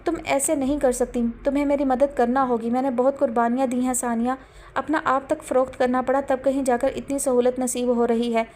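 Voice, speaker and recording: A woman's voice: high voice, level tone, a little mellow, close to an everyday voice. Woman doing a desperate, pleading young sister. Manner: pleading, insistent.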